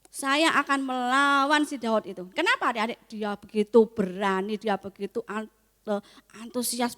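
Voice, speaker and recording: A young woman teaching a Sunday school lesson, coaxing and lively with the children. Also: on the high side. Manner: lively, coaxing, talks to kids. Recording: echoey hall.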